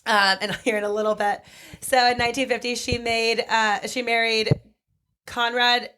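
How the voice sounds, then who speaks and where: A woman's voice: on the high side, flat delivery, normal speed, sharp tone. A woman from a bridal salon, chatting on a podcast and gushing about wedding dresses. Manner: gushing, enthusiastic. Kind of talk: casual podcast chat.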